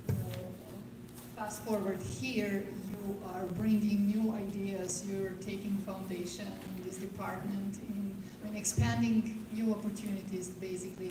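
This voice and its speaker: A woman moderating a panel, putting questions to speakers in halting phrases. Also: medium pitch. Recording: echoey, noisy conference room, distant mic.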